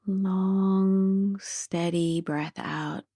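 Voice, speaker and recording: A woman leads a sleep meditation with a mellow, relaxed voice. Her delivery is very slow, gentle and soft, often easing toward a breathy near-whisper. The sound is close and dry. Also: mid-range voice, no room sound. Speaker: meditation guide.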